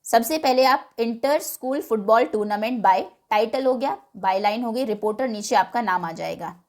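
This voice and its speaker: A woman teacher who reads English lines slowly, explains them in Hindi and repeats words to drill pronunciation. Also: a little high. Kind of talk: bilingual lesson explaining a textbook.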